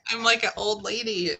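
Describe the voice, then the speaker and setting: A middle-aged woman co-hosting a casual stitching chat, an animated storyteller who laughs often. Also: medium pitch, creaky, low-quality recording. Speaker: flosstube co-host.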